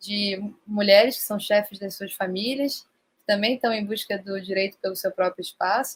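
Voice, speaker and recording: This woman speaks at a medium pitch and a moderate pace. Her intonation stays fairly even. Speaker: curator and photographer moderating panel. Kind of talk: panel discussion. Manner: halting with fillers.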